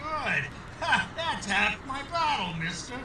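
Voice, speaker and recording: Man playing a jittery, high-voiced small-time gunman. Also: slow, background noise, exaggerated voice. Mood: cocky, taunting. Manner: excitable, pleading tough-guy bluster. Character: lovesick, jittery small-time male gunman, bluffing and cornered. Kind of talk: 1940s noir radio drama acting.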